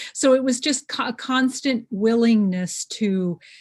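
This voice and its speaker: A woman speaks very slowly in a somewhat breathy voice. The recording is very clean with a silent background and a dry, close sound free of echo. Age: 60s. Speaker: podcast co-host, healer. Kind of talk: casual chat. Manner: halting, many repetitions.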